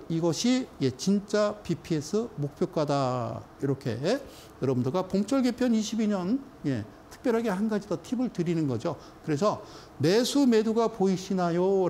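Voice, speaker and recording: In a studio, a middle-aged man gives an emphatic lecture on stock charts, frequently checking in with his audience. His voice sits high and sounds mellow, with slight background noise present.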